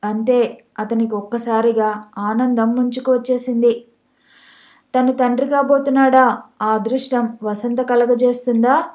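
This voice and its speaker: A woman narrating a romance novel as an audiobook reader, in steady storytelling. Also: fairly high pitch, unhurried, pauses often. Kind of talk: scripted narration.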